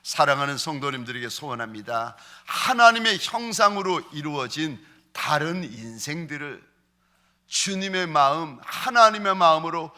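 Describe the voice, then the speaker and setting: A man delivers a sermon as a pastor. His voice is very bright and ringing and sits a little high. He acts out the voices he quotes and slows into a measured prayer. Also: expressive.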